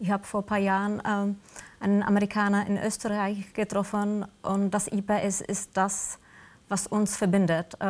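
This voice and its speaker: Her loudness stays very even as a woman speaks at a fairly slow pace. Her medium-pitched voice has a monotone, flat intonation. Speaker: diplomat. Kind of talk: panel discussion.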